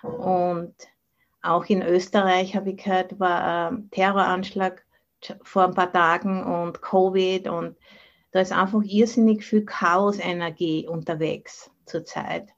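A woman's voice: fairly low pitch, level tone, unhurried. A middle-aged woman with an Austrian German accent gives an informal dharma talk as a Buddhist teacher, dropping English words into her German. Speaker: Buddhist nun and meditation teacher. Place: online video call from the monastery. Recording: dull, band-limited video call audio.

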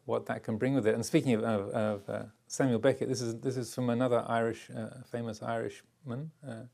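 An older man giving a reflective dharma talk as a Buddhist teacher, speaking haltingly with many pauses and hesitations. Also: mid-range voice, level tone, vocal fry, a little mellow. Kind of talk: dharma talk to a retreat group.

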